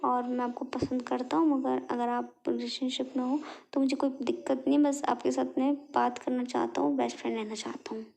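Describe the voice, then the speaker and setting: High, creaky young woman, mellow and even. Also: brisk, hardly any pauses. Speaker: girlfriend in a couple's call. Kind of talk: casual relationship argument on a call.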